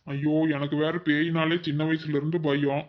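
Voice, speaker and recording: A man's voice: fairly high pitch, flat delivery, moderate pace, lo-fi sound, natural voice. A man playing a fretful young husband who is scared of ghosts, in a cartoon. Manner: whiny, fretful. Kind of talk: cartoon voice acting.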